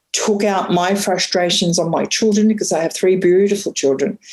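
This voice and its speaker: A woman speaks with an Australian accent. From Australia, north Queensland. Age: 60s. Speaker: coaching client. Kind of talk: personal coaching session. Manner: halting, many fillers.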